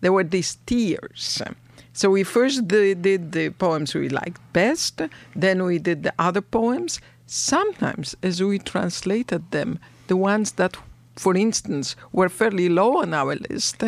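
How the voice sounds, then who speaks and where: Polish-accented woman translator, slow and thoughtful, lively pitch, gravelly edge. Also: no room sound. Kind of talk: radio interview.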